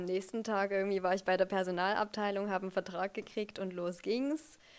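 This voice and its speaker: A woman's medium-pitched voice with fairly even intonation, in a very clean recording with a silent background. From Saxony, Germany (Dresden). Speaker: development cooperation worker. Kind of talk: interview. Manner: hesitant fillers.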